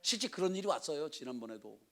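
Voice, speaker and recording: A middle-aged man, a guest pastor, preaching a lively, humorous storytelling sermon that he often breaks with laughter. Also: a little high, fast talker. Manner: chatty and humorous, laughs often, acts out prayers and declarations.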